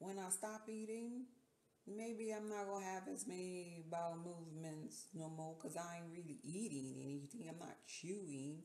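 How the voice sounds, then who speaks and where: A woman's quiet, fairly low-pitched, dark, mellow voice with ordinary pitch variation and audible room echo. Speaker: wellness and spirituality vlogger; spirituality vlogger. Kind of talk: personal testimony vlog. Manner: slow; low, quiet. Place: kitchen. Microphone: phone near.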